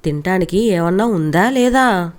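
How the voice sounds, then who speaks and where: A woman voicing a quick-tempered old village father-in-law who shouts rudely and defiantly. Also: fairly low pitch, expressive. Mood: angry.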